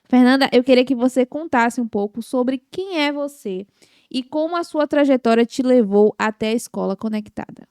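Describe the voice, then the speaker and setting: Young Brazilian woman hosting, higher-pitched voice. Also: normal speed, darkish tone, smooth, dry recording, studio quality. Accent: Brazilian Portuguese. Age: 20s. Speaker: podcast host. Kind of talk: conversational interview.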